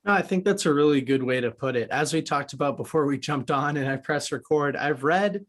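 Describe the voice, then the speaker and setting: A man's voice: fairly high pitch, a little fast. A man hosting a podcast interview in a conversational, upbeat and articulate way.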